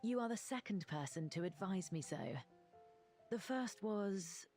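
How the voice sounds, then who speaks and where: A woman voicing a gracious, poised noblewoman, gentle and proper, in a genteel, formal manner. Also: mid-range voice, animated, measured pace, soft background music, natural voice. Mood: gently poised.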